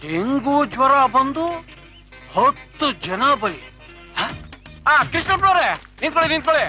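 Fast-talking news gossip, very high bright voice. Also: male voice, very animated, soft background music, heavily acted. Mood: excited. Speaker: gossiping neighbour.

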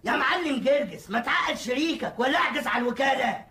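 An actor playing an overbearing, officious government tax collector who threatens people, in a historical film. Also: male voice, very high-pitched, expressive, fast talker, bright, forceful tone, far from the mic, exaggerated voice. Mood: threatening. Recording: echoey room, off mic.

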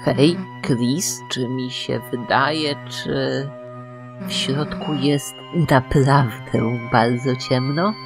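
A woman's voice: a bass voice, very slow, over music, heavily acted. A woman voicing a surly teenage monster girl from a video game, sarcastic, taunting and impatient. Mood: uneasy bravado. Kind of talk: dramatized video game dialogue reading.

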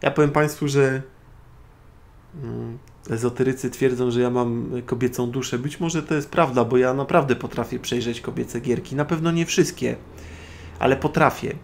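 Gravelly-voiced man giving a sardonic monologue. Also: mid-range voice, normal speed. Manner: sardonic, opinionated lecturing. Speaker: internet radio host. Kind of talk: solo spoken monologue.

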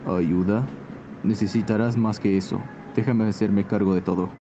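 Man voicing a deep, pompous deadpan hedgehog. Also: moderate pace, noisy background, natural voice. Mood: self-assured. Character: deadpan, proud male hedgehog who cooks. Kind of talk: Spanish fan dub of cartoon. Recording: dull muffled sound, loud music behind.

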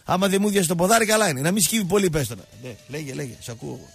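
A man with a slightly raised, husky voice hosts a radio sports comedy show. He rambles through mocking, jokey stories with faint music underneath. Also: fairly high pitch, animated. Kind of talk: comic sports radio banter.

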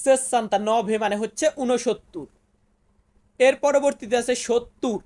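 A woman with a slightly high voice gives a patient, step-by-step language lesson. She speaks very slowly, saying each new word with care and repeating it before she explains it. Now and then she puts a question to the listener. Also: dark tone. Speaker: language teacher.

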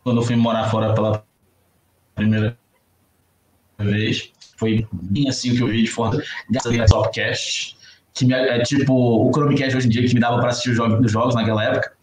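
A man's voice: medium pitch, level tone, a little fast. A man in his thirties chatting casually, pronouncing s with a hissing sh sound. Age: 30s. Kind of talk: casual chat. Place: small room at home, indoors. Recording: roomy echo, noisy video-call audio.

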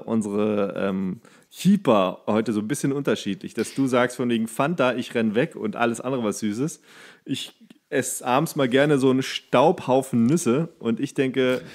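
A man's voice: medium pitch, normal speed, a little mellow. A man co-hosting a podcast in casual comedic banter, playfully and theatrically teasing. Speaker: podcast co-host.

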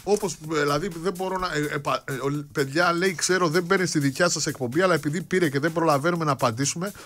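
A man's voice: a little high, fairly bright tone, soft background music. A man co-hosting a radio sports show, telling jokey stories and acting out scenes. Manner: jokey storyteller, acts out scenes. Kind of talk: comic radio banter. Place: radio studio.

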